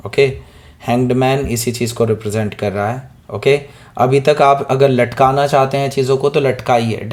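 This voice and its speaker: A man with a hoarse throat giving a weekly tarot reading, talking straight to the viewer, often checking in with "okay?" and mixing in English words. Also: mid-range voice. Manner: keeps asking "okay?" to the listener, mixes in English words. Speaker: tarot reader.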